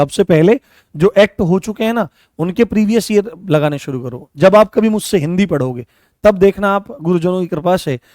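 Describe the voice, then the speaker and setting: A man teaching law in an online class, speaking to his students and slowly repeating phrases so they can write them down. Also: high-pitched, a little mellow, no echo, clean studio sound. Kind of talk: online class lecture with dictation.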